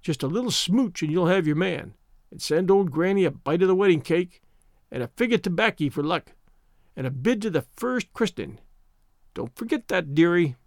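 A man's voice: sits high, expressive, moderate pace, darkish tone, dry recording, clean studio sound. A man voicing a scheming old woman witch who speaks in a folksy rustic dialect. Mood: sly.

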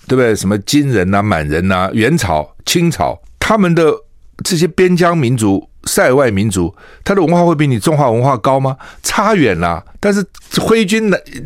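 A man's voice: medium pitch, dry recording, studio quality. An older man from Taiwan, a radio talk show host, giving opinionated commentary full of scolding rhetorical questions. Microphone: studio microphone.

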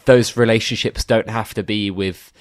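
A young man hosting a casual podcast chat, animated, laughing often and rambling in quick runs. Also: lowish voice, dry recording, clean studio sound. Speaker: podcast host.

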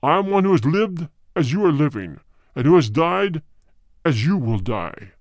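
A male audiobook reader voicing a cold, hard, deep spirit that speaks through a medium in slow, grave sentences. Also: big pitch swings, dry recording, clean studio sound. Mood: solemn. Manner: slow, grave, measured pronouncements. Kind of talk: audiobook reading.

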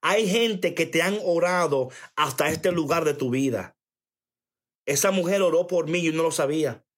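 Emphatic preacher man, fairly high voice. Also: moderate pace. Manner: emphatic, repeats phrases, calls for attention; reads chat comments aloud. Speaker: preacher on a live stream. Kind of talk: sermon-style testimony.

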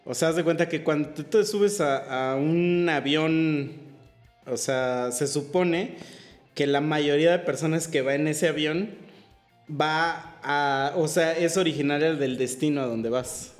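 A Mexican-accented man spins a story for his friends in loose, slang-heavy talk, animated and quick to laugh. His voice sits a little on the high side. Music plays clearly underneath. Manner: slangy, drops "güey" constantly; animated, laughs while telling. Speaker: podcast co-host telling a story. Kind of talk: casual storytelling among friends.

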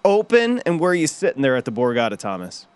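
A man hosting a sports betting radio show, steering the talk in brisk, upbeat banter that swings up and down in pitch. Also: sing-song, clear, resonant tone, no room sound.

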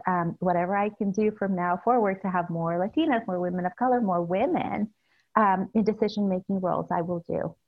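A woman from El Salvador, a newly elected city supervisor, answering interview questions in an earnest, casual way with many fillers and soft laughs. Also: medium pitch. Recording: tinny phone line.

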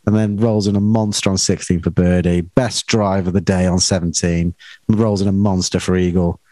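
Low-voiced man recounting golf, commentator-like. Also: little pitch movement, normal speed, warm tone, no echo. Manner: informal shot-by-shot retelling with frequent 'like'. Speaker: golf podcast co-host. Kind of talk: casual sports chat, recounting play like a golf commentator.

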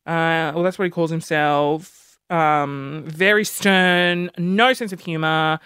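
A man with a high-pitched voice hosting a podcast, telling a story in an animated, self-deprecating way. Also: takes it slowly, smooth, no room sound, studio quality. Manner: animated, self-deprecating, jumps between high and low tones. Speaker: podcast host. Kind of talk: casual storytelling monologue.

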